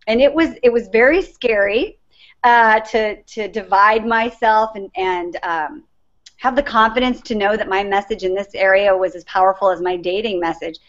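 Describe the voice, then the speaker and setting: Slightly high and fairly bright, the voice belongs to a middle-aged life coach answering interview questions. She earnestly recounts her own story, and the recording is dull and lo-fi.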